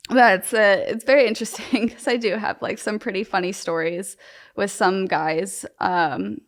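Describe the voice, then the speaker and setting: A young woman speaking casually in an interview, her talk loose and rambling. She fills it with "like" and "um" as she goes, in an easygoing way. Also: medium pitch. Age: young adult. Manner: chatty, loose, heavy use of "like" and "um". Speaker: interview guest.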